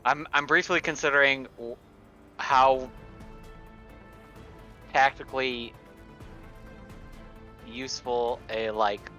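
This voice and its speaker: A man's voice: lowish voice, bright, forceful tone. A man playing a tabletop game, talking casually and hesitantly as he thinks his move through, on a dull lo-fi recording.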